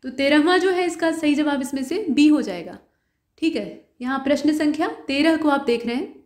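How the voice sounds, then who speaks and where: Woman teacher walking thru exam answers, high voice, roomy echo. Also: moderate pace. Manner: steady explanatory tone, addresses viewer directly. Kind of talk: explaining mock test answers.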